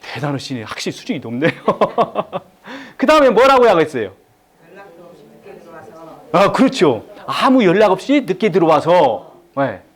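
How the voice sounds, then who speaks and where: A man's voice: high-pitched, sing-song, unhurried, breathy edge. A middle-aged man giving a live lecture to an audience, repeating key phrases and having them echo him back.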